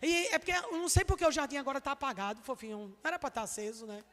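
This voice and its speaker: Woman preacher, Northeastern Brazilian accent, jokey and chatty with shouted peaks, ringing church hall. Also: high voice, racing. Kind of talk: lively humorous sermon.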